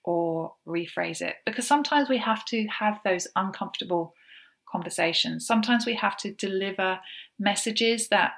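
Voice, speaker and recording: Woman giving calm podcast advice. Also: medium pitch, normal speed, gravelly. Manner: practical, explains step by step with gentle fillers. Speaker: podcast host. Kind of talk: solo coaching podcast.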